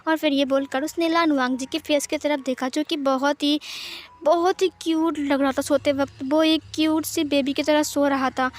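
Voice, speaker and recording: A woman retelling a fan fiction story in a chatty way, often repeating her phrases. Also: high voice.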